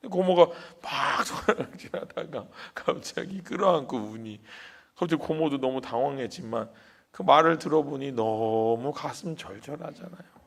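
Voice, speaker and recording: A male senior pastor telling a story in a sermon, animated, questioning the congregation and dropping to a hush. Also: medium pitch, normal speed, gravelly.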